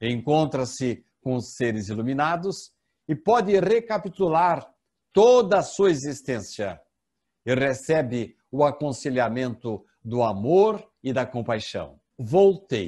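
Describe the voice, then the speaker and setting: A man's dark, mellow voice, fairly high in pitch, with very wide pitch swings, a very slow pace and a quiet background. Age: 70s. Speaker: spiritist speaker and writer; speaker. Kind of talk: lecture interview. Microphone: lapel.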